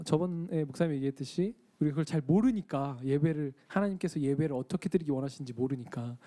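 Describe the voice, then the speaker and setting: A man's voice: on the high side, mellow, low-quality recording. Chatty young man preaching a sermon. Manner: chatty, asks the congregation questions, acts out quoted lines. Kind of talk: casual conversational sermon. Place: church sanctuary.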